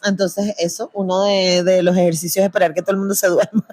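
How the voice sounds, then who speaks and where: A woman's voice: lowish voice, flat delivery, fast talker, darkish tone, dry recording. Chatty Venezuelan woman guest. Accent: Venezuelan Spanish. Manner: chatty, laughs often, uses slang. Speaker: guest, producer and antiracism content creator. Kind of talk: casual conversational interview.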